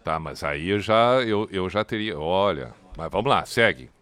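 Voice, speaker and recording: A man with a Brazilian Portuguese accent hosting a live radio show, narrating an event as it happens in an excitable, urging way. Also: sits low, moderate pace, clean tone, no echo. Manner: excitable, urging, running play-by-play. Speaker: radio host. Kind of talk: live commentary chat.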